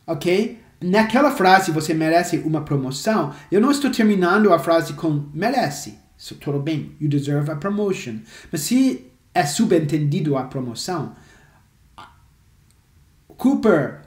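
A man who is a native English speaker teaching English, explaining phrases slowly and repeating examples for drill. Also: a little high. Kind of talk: language lesson to camera. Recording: echoey room.

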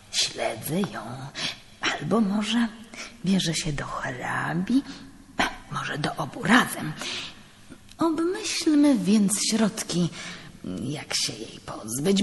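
A woman reading a part as a scheming middle-aged priest, with a hushed, urgent manner, often dropping to a whisper. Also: mid-range voice, huge pitch swings, extremely slow, long pauses, a little hiss or hum, pitched above the performer's own voice, exaggerated voice. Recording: long hall reverb, live stage.

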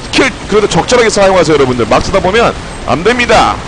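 High-voiced guy yelling orders at teammates in a game stream, pitch jumping all over, game noise behind. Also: fast talker. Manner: excitable, shouting orders at teammates; mock-grand commands. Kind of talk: live gameplay commentary. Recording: noisy game audio behind.

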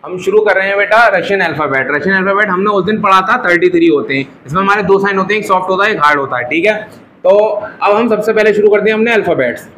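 A man's voice: high voice, fast talker, pushed and bright, a little hiss or hum, rough recording. A young man teaching Russian to a class, patient and joking, often calling his students "beta" as he drills the letters.

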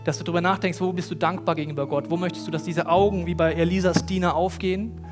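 Pastor guy on a church stage mic, tells stories and talks right to you, high voice. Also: fast talker, over music. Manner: lively storytelling, addresses listeners directly. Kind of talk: sermon with personal stories. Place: church stage before a congregation.

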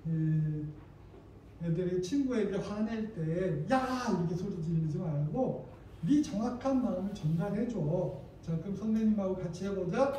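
Lively high-voiced man lecturing in an echoey room. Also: normal speed, distant mic, slight background noise. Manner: lively, demonstrative, acts out classroom lines. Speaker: teacher trainer. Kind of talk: lecture to teachers. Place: training room.

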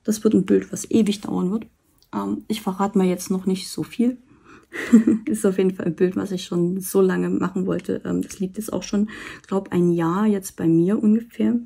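A woman vlogger chatting casually while she does a diamond painting, rambling with many fillers and soft asides. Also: mid-range voice, steady tone, moderate pace, gravelly, slightly rough. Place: indoors at a table. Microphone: camera over the work table, hands seen.

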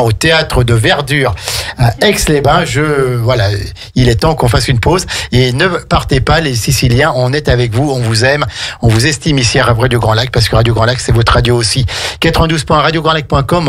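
A man hosting a live local radio talk show from the studio, jovial and teasing with his guests. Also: mid-range voice. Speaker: radio host.

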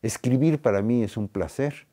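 A man's voice: mid-range voice, normal speed, dark tone. A man, a film critic and author, giving interview soundbites emphatically, with restarts and fillers.

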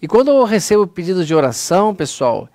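A man's voice: high voice, big pitch swings, quick pace, darkish tone, dry recording, clean studio sound. A man with a Brazilian accent giving an earnest, conversational spiritist lecture online, often calling his audience "pessoal". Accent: Brazilian Portuguese.

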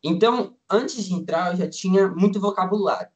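A young man around nineteen, from Brazil, talks in a loose, rambling way, filling his sentences with little hedges and restarts. His voice sits a bit higher than most men's, and the delivery stays easygoing and conversational. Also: normal speed. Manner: relaxed, rambling, many fillers like "tipo" and "assim". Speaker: student guest. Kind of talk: casual interview chat.

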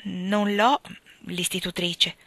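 A woman's voice: mid-range voice, fairly even intonation, slow, fairly bright tone, no room sound. A woman reading as a shy young governess. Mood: modest. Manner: modest and timid.

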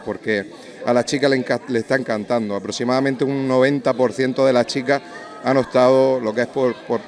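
A man in his forties giving an interview at a busy restaurant event, speaking into a handheld mic with a fluent sales pitch full of "eh" fillers. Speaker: drinks company representative.

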